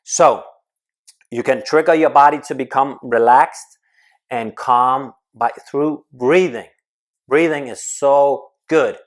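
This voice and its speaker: A man coaching on public speaking, talking to the camera with emphatic, energetic delivery, quick bursts and sudden slowdowns. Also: mid-range voice. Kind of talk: advice talk to camera.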